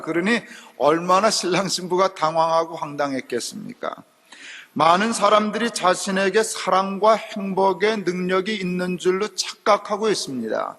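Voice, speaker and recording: A middle-aged man preaching a sermon as pastor, telling stories in a chatty way and voicing quotes in a lower tone. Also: a bit bright. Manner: conversational storytelling, acts out quotes in a low voice. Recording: long reverb of a church hall.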